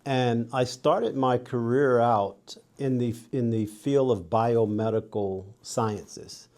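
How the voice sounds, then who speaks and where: A man's voice: mid-range voice, fairly even intonation, slow, darkish tone. A man from Dallas, Texas, a guest with a biomedical engineering background speaking plainly in a casual interview.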